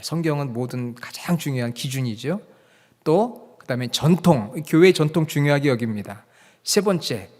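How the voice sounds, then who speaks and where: A man preaching a sermon as pastor, animated, with rhetorical questions and loud quoted commands. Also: mid-range voice, in a large hall.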